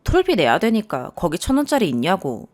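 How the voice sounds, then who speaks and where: A woman voicing a hot-tempered, impatient young husband who snaps and scolds in a lowered voice. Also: huge pitch swings, normal speed, darkish tone. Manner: irritated, snapping and scolding.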